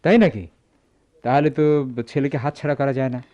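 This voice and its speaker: An actor playing a brisk, emotional middle-aged jewellery merchant in a radio drama, speaking emphatically and theatrically. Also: male voice, mid-range voice, fairly even intonation, darkish tone, close to an everyday voice. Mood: eager. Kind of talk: Bengali radio drama acting. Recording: dull lo-fi radio drama sound.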